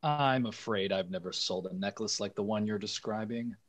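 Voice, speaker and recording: An actor playing a polite, salesy jeweler in a radio play, with courteous, smooth patter. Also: male voice, on the low side, normal speed, close to an everyday voice. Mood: apologetic, obliging. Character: polite, salesy male jeweler pushing his wares.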